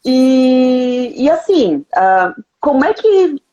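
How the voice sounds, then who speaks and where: A woman's voice: sits high, big pitch swings, extremely slow, mellow, lo-fi sound, faint music behind. A woman with a southern Brazilian accent hosting a casual live interview online in an informal, chatty way. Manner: informal, chatty, often laughing. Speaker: host of an online interview show. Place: remote live video call.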